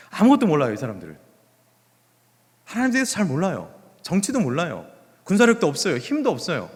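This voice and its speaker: A man preaching a sermon as pastor, animated and speaking God's words in pleading, intimate tones. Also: a little high. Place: church sanctuary. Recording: long hall reverb.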